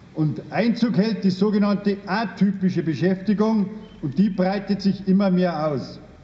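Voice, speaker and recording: A man with a high pitch speaks at a fairly slow pace, his intonation fairly even and his loudness very even. Audible room echo surrounds him. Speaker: trade union official. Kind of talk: public speech. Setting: outdoor rally. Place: street.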